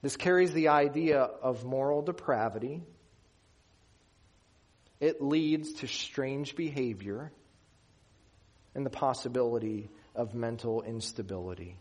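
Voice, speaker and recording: A man from Western Pennsylvania preaching a sermon in an earnest, emphatic way. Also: medium pitch. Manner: earnest, emphatic preaching with slow deliberate pauses. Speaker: pastor.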